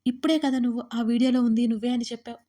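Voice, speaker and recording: Woman reading heartbroken young woman, teary and reproachful, soft highish voice. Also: steady tone, racing, natural voice. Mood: betrayed. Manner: tearful, reproachful. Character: young woman, hurt, betrayed, tearful.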